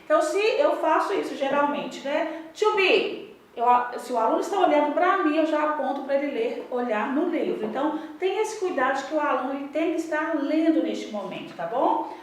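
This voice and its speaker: A woman with a Brazilian Portuguese accent training English teachers in a lively instructional talk, modeling drills aloud with varied intonation. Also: sits high, fairly quick. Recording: echoey room, voice from a distance.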